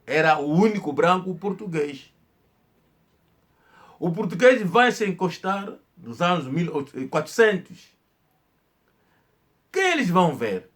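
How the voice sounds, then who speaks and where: Man, casual history storytelling, slightly high voice, slow deliberate delivery, repeats words. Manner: slow, emphatic storytelling with hesitations and repetitions. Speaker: channel host. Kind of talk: informal history talk.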